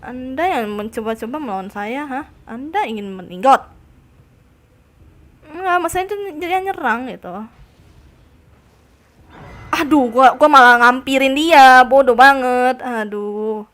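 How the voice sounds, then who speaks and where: A high-pitched young woman commentates a live game stream. She talks casually to her chat, squeals and shrieks when startled, and taunts the enemies in a mock-tough voice. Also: a little slow, pauses often, fairly bright tone.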